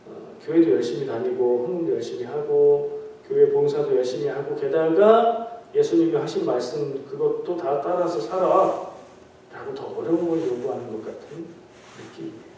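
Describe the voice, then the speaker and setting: A man's voice: on the high side, moderate pace, warm tone. A man preaching a midweek prayer meeting sermon in a conversational way, asking the congregation questions and joking with them. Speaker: pastor. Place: church sanctuary. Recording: very echoey hall, mic far off.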